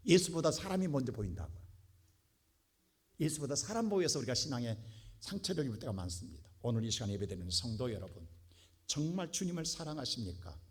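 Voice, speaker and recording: A man preaching a sermon as pastor, dramatically acting out the words of biblical figures and swinging between quiet low asides and loud, impassioned bursts. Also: breathy edge. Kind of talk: Korean church sermon. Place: church sanctuary.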